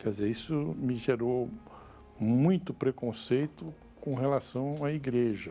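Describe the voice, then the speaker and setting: This man speaks in a dark, mellow tone. The rise and fall of his pitch is ordinary. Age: 60s. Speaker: church member giving testimony. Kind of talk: testimony. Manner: halting.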